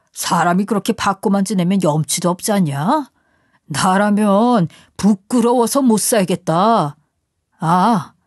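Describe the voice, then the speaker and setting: A woman's voice: mid-range voice, a little mellow, breathy edge, no echo. A woman voicing a manipulative, threatening husband in an audio story, coaxing and menacing by turns, recorded dry and close.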